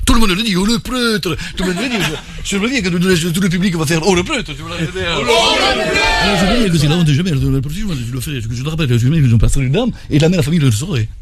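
A man's voice: fairly high pitch, fast talker, a crowd in the background, lightly acted. A man putting on the voice of a jealous husband who leaves a threatening, rambling voicemail for a prank call. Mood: menacing rant. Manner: ranting, repetitive threats.

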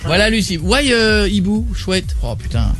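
A man's voice: high voice, sing-song, a little slow. A man hosting a live radio interview in a studio, joking and teasing, switching into broken English. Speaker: radio host. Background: music.

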